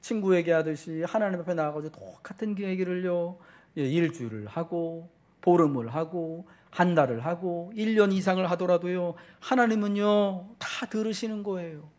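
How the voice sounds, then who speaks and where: Man preaching, fervent sermon, slightly high voice, slows and swells for emphasis, questions the congregation. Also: a little mellow. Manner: addresses the congregation directly with repeated questions. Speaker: pastor.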